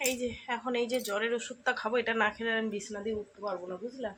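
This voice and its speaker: A woman with a hoarse, feverish voice chats slowly and softly to her viewers in a relaxed home vlog. Her voice sits fairly high, and there is a faint hum of the room behind her. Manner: soft, slow and tired. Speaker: vlogger. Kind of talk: casual chat to viewers. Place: home at night.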